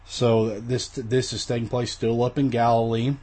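Husky-voiced man teaching a Bible lesson. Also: medium pitch, level tone, moderate pace, a little mellow. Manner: casual, rambling, many fillers and restarts. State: voice weak after the flu.

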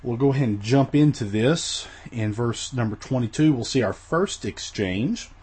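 A man's voice: medium pitch, animated, normal speed, a little mellow, slightly rough. A man teaching a recorded Bible lesson in a casual, rambling way, with many fillers and restarts, his voice weak after the flu.

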